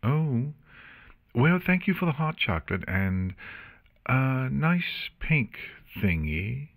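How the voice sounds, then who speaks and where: Guy doing a chatty young girl pony knight, irreverent n awkward, raised swoopy pitch, fantasy audiobook. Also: big pitch swings, slow. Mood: bewildered.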